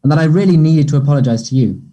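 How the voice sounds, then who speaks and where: A man playing an awkward, earnest young gay man who is apologetic and unsure, speaking haltingly in a play table read. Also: a little high, dark tone, natural voice. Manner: hesitant, halting.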